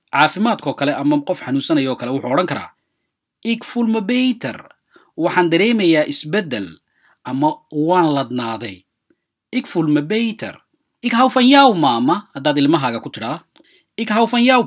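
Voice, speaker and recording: A language teacher hosting a lesson, giving quick explanations and then repeating short example phrases slowly. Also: mid-range voice. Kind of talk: radio-style language lesson.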